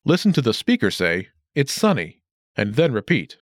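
Male instructional narrator, mid pitch, animated intonation, careful enunciation, dry close recording. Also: normal speed, no room sound. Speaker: language lesson narrator.

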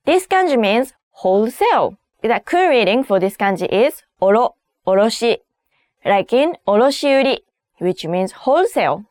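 A woman hosting a scripted language lesson, presenting words one at a time in a clear teaching style. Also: on the high side, sing-song, moderate pace, darkish tone, no echo, studio quality. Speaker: host of a kanji lesson series.

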